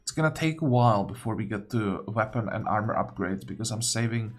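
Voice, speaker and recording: A man's voice: on the low side, expressive, fairly quick. A man giving unscripted game commentary, thinking aloud in a musing, hesitant way as if talking to himself. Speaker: gaming video host.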